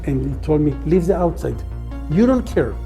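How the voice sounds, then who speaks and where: A man's voice: a little high, big pitch swings, moderate pace, dark tone, soft background music. A man, an artist mentor, speaking animatedly and searching for words in an interview.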